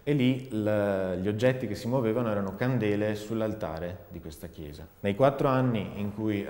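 The speaker is a man in his forties with a lowish, slightly mellow voice. A performing artist and sound researcher, he sits in a dark indoor studio describing his artistic work in an interview, thoughtful and prone to searching restarts, with the sound echoing like a roomy hall.

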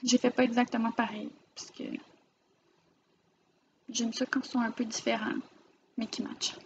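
Filming herself with a camera mic, a woman with a Quebec French accent gives a chatty, rambling show-and-tell of her completed knitting, clearly fond of her work. Her voice is on the high side with little pitch movement and a moderate pace, while the audio has cut-off highs and slight background noise.

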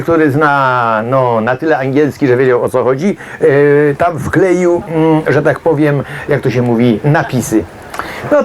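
A man's voice: medium pitch, darkish tone, a little hiss or hum. A man, working as a medium and giving a chatty, jokey talk to an audience, wandering off into asides and acting out the voices of the people he quotes.

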